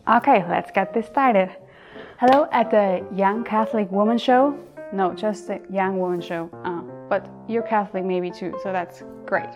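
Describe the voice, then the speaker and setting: A young woman with an Austrian German accent talks through her show in a chatty, unscripted way, often pausing, restarting and correcting herself. Her pitch sits in the middle range for a woman, and faint music plays behind her. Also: dull audio. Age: young adult. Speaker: host. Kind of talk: casual unscripted talk show.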